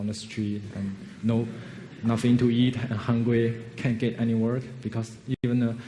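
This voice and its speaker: A man speaks with a Chinese accent and fairly even intonation at a medium pitch. Audible room echo surrounds his voice. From China, Fujian. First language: Mandarin Chinese. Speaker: concept artist. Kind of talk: lecture. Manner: halting, many fillers.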